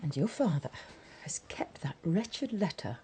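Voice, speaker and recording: An actress playing a bitter, scornful wife who sneers theatrically in a radio drama. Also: female voice, lowish voice, very animated, unhurried, mellow, slight background noise. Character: bitter, scornful stepmother of the household.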